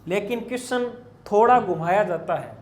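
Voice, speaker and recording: Male grammar tutor, high register, measured exam-prep lecture in a roomy, echoey space. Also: expressive. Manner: slow and explanatory, spells out letters piece by piece; addresses students as children, asks and answers his own questions. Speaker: Hindi grammar teacher.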